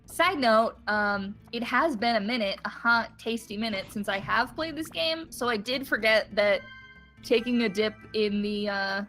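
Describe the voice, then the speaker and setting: A young woman with a high voice, hosting a casual game playthrough, joking and laughing as she plays. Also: measured pace, a bit bright. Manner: laughy, joking, self-deprecating. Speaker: let's play host. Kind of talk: casual gameplay commentary. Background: faint game music.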